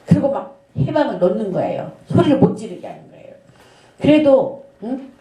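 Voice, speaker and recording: In an echoing church sanctuary, a middle-aged female pastor delivers a heartfelt sermon built around a story and rhetorical questions. She speaks briskly in a dark-toned, rather high voice that is very animated.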